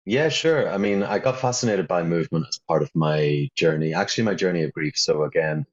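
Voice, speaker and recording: A Belfast man from Northern Ireland with a very deep, husky voice is interviewed as the founder of a meditation app. He talks briskly, giving calm, flowing explanations peppered with fillers. The lo-fi audio is dull and muffled.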